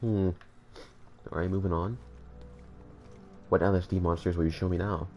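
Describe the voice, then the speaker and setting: A man's voice: low-pitched, steady tone, moderate pace, darkish tone, soft background music. A man with a slightly congested voice, joking and rambling to his viewers as he plays through a game. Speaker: gaming channel host. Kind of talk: casual let's-play commentary.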